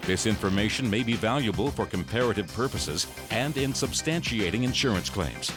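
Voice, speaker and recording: Music plays in the background as a man with a fairly low voice talks at a fairly quick pace, his pitch swinging very widely. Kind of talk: corporate promotional narration.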